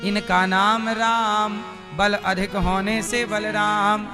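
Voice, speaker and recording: A man preaching a devotional sermon in a fairly high voice. He draws the crowd into call-and-response and slips into chanting and song. He speaks slowly and gives each phrase room, with instrumental music playing behind him. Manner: lively storytelling, bursts into chant and song.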